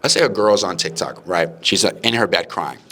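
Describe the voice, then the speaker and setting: A young man hosts a relaxed podcast conversation with a deep yet bright, forceful tone. He talks in an animated way and jumps into playful imitations of the people he describes. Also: a little fast. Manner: animated, acts out quoted people in raised voices. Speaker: podcast host. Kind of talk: casual podcast chat.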